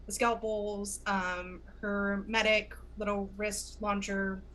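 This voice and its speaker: A woman's voice: medium pitch, level tone, takes it slowly, fairly bright tone, slight background noise. A woman playing a tabletop game, chatting and narrating what her character does. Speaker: player. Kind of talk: tabletop role-play chat.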